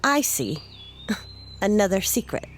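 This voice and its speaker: A woman playing a curious, headstrong young daughter with a sarcastic edge in an audio drama, expressive and pointed. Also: mid-range voice, takes it slowly, faint music behind. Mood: bitter, sarcastic.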